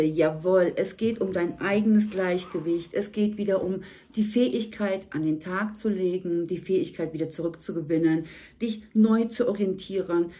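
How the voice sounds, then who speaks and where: A woman with a slightly hoarse voice gives a monthly tarot reading at a table indoors. She speaks to the viewer in a warm, reassuring way. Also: on the low side. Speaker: tarot reader.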